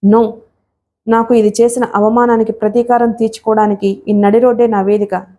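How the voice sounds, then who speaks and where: Woman voicing storybook villain: arrogant young man, gloating, high mellow voice. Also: flat delivery, moderate pace, lightly acted. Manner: taunting, cold and gloating. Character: arrogant wealthy young male villain, mocking.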